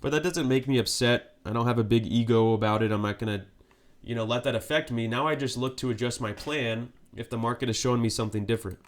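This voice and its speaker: A man's voice: medium pitch, fast, hardly any pauses. A man with a cold and a congested voice, giving live market commentary on his stream and checking in with a frequent "right?". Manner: steady explanatory, frequent "right?" check-ins.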